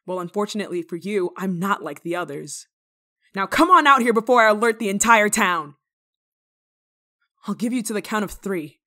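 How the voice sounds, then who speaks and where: A woman's voice: medium pitch, expressive, bright, forceful tone. Bold, theatrical village nun played by a woman. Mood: stern, confronting. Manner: theatrical, scolding, teasing, dramatic pauses. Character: bold, stern but kind-hearted village nun. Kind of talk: ASMR roleplay monologue, dramatic acting.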